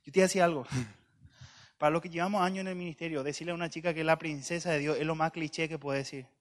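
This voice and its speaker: A man, preaching a sermon as a joking, conversational story with bursts of loud emphasis. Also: on the high side, fairly even intonation, quick pace.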